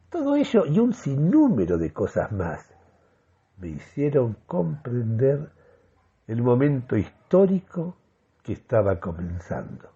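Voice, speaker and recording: An actor playing a euphoric, deluded man who solemnly delivers a grandiloquent radio monologue with deliberate, dramatic pauses. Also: mid-range voice, dark tone, slightly rough, lo-fi sound, full character voice. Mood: earnest, grandiose. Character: euphoric, deluded man convinced of mystical energy communication. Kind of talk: theatrical first-person radio monologue.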